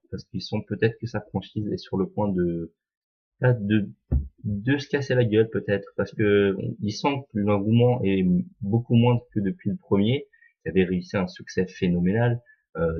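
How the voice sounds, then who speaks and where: A man hosting a film vlog, talking casually and hesitantly with frequent pauses. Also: fairly low pitch, breathy edge, lo-fi sound. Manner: hesitant, full of "euh" pauses. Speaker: vlog host.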